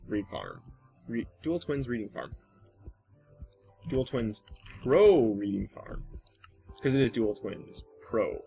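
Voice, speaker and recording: A man's voice: medium pitch, gravelly. Male gaming host, mid-range voice, informal off-the-cuff commentary, hesitant delivery that wanders and trails off. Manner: halting, thinks aloud, trails off. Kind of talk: casual rambling Let's Play commentary.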